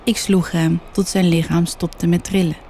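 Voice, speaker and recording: Female horror narrator, low and mellow, steady storytelling. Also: normal speed, slight background noise.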